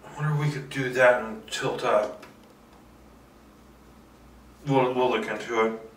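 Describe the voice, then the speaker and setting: Here the man, a filmmaker reading a script alone, muses aloud in a loose, self-directed monologue with playful bragging and occasional curses. His medium-pitched voice stays fairly even at a measured pace. Distant miking and room echo color the sound.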